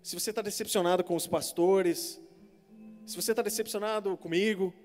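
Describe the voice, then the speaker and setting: Animated high-voiced young man preaching. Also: normal speed. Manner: animated storytelling, acts out voices, swings from shouting to hushed. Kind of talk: sermon to a youth congregation. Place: church hall. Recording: reverberant church hall with faint music.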